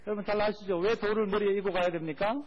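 Male preacher, high-pitched, quizzing the congregation; muffled recording. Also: fairly even intonation, fast talker. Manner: call-and-response preaching, asks the congregation questions. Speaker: pastor. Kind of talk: sermon. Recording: dull lo-fi recording.

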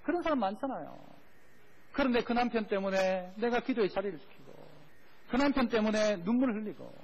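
Man, pastor, high voice, call-and-response sermon, dull lo-fi sound. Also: fairly quick, slight background noise. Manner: call-and-response preaching, asks the congregation questions. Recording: dull lo-fi recording.

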